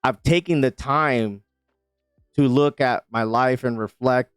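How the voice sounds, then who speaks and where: A man's voice: mid-range voice, slow, clean tone, no echo, soft background music. A man co-hosting a podcast and chatting casually, a father and husband who rambles loosely, swears freely and keeps asking "you know what I mean". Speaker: podcast co-host.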